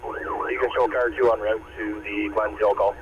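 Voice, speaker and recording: A man's voice: fairly low pitch, huge pitch swings, moderate pace. A male firefighter giving terse procedural radio traffic over a two-way radio. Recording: muffled radio scanner, very loud noise.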